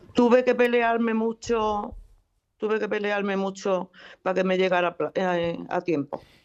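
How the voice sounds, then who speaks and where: Quiet background, a woman with a normal speaking voice at medium pitch and ordinary pitch variation. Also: fairly slow pace. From Huelva, Andalusia. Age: 50s. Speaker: widow and former carer of an ALS patient. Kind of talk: radio interview.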